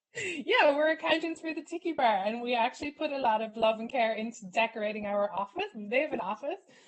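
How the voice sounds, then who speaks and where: With an Irish accent, a woman talks at a very fast pace in a high pitch, with lively intonation and hardly any pauses. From rural Ireland. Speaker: comedy show host. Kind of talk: comedic banter on charity live stream.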